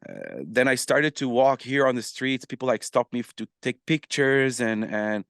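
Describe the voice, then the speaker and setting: A man with a smooth, resonant voice tells his story as a podcast guest. He talks in an animated, casual way, with plenty of fillers and restarts. The sound is dry and close, with no room echo. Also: medium pitch, normal speed. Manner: animated, many fillers and restarts, acts out quoted messages. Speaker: podcast guest, musician and influencer.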